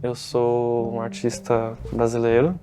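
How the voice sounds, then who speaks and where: A man's voice: medium pitch, monotone, takes it slowly. A man in his thirties with a São Paulo Brazilian accent, talking about his work as an artist. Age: 30s. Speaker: painter. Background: music.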